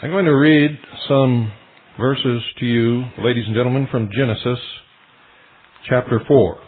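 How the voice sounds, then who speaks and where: A male radio host delivering a solemn, deliberate monologue, speaking straight to his listeners as ladies and gentlemen. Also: mid-range voice, fairly even intonation. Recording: tinny shortwave radio broadcast.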